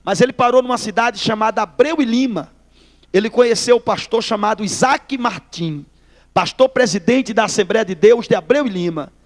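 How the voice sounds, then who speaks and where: A man's voice: high-pitched, moderate pace. A male pastor with a Northeastern Brazilian accent, telling his testimony in a folksy preaching style and calling the listeners brother. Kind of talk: testimony sermon. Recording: long hall reverb.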